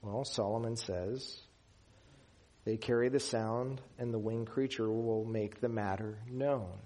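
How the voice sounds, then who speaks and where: A man's voice: fairly low pitch, steady tone, warm tone. A man from Western Pennsylvania preaching a sermon in an earnest, emphatic way. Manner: earnest, emphatic preaching with slow deliberate pauses. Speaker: pastor.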